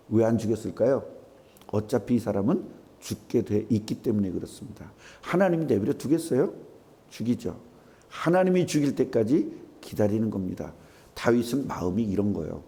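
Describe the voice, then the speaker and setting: Animated preaching man, mellow voice. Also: lowish voice, normal speed. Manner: animated preaching, rhetorical questions. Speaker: pastor. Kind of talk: sermon. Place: church sanctuary.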